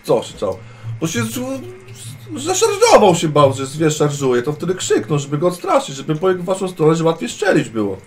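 Mężczyzna grający przymilnego, wykrętnego prostego wędrowca, który płaszczy się i nerwowo się tłumaczy. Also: male voice, huge pitch swings, fairly quick, a little mellow, slight background noise. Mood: evasive. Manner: wheedling, with servile "sir" addresses and nervous pitch jumps. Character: evasive, fawning male commoner adventurer.

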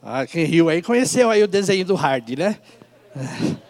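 A man's voice: high-pitched, animated, moderate pace. A man in his fifties preaching as a pastor, telling personal stories informally and speaking directly to his listeners with rhetorical questions. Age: 50s. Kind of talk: informal sermon with personal storytelling.

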